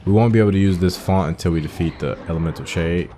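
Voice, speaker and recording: A man's voice: low voice, fast, dark tone, a little hiss or hum. A man giving casual gameplay commentary, thinking aloud and explaining each step as he goes. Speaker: gaming host. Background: game audio with faint music.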